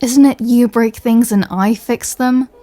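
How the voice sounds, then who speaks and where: A woman's voice: on the high side, fairly even intonation, unhurried, mellow, natural voice. Exasperated, sarcastic superheroine played by a woman. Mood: dry, irritated. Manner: dry, sarcastic, exasperated retorts. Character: irritated, stubborn, proud female superhero patient. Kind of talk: comedic audio roleplay acting.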